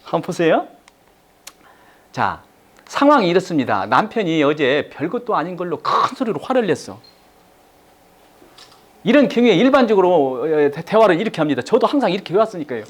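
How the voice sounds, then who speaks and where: A man's voice: high voice, big pitch swings, a little fast, pauses often. A middle-aged man giving a live lecture to an audience, repeating key phrases and having them echo him back.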